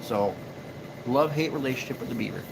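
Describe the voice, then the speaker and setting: A man's voice: medium pitch, fast, creaky. Easygoing Upper Midwest man, noisy background. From Minnesota. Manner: rambling, easygoing, frequent fillers and restarts. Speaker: livestream host and beaver trapper. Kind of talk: casual live stream chat answering viewers.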